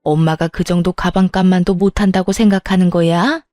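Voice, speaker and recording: A woman's voice: lowish voice, fairly even intonation, brisk, warm tone, dry recording, clean studio sound, soft background music, lightly acted. A woman voicing a selfish older mother-in-law who talks defensively and stammers when pressed, in a read-aloud story. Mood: self-pitying. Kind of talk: storybook dialogue reading.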